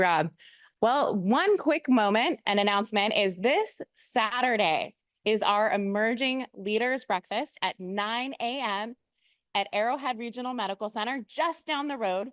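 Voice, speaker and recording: A woman's voice: on the high side, moderate pace, no room sound, clean studio sound. A woman giving informal announcements to a group as a district officer, upbeat and encouraging.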